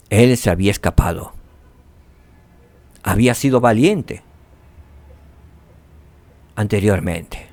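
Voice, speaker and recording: A man teaching a scripture lesson, asking rhetorical questions and dropping to soft tones for emphasis. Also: lowish voice, no echo.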